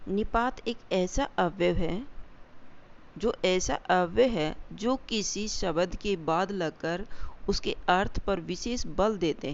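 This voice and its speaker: A woman teaching a grammar lesson, explaining slowly and deliberately and repeating example sentences. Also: fairly low pitch, lo-fi sound.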